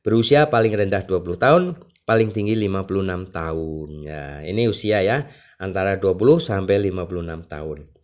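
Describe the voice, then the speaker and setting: A man's voice: deep voice, lively intonation, brisk. A man hosting an online channel, reading news aloud with informal, reassuring explanatory asides. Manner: reassuring, explanatory asides, often ending phrases with "ya". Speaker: YouTube channel host.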